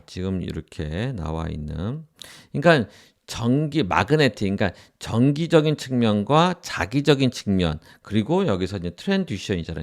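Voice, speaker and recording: A man's voice: lowish voice, vocal fry, a little mellow. A man giving an informal tutorial lecture as an audio instructor, explaining and often restating his points for emphasis.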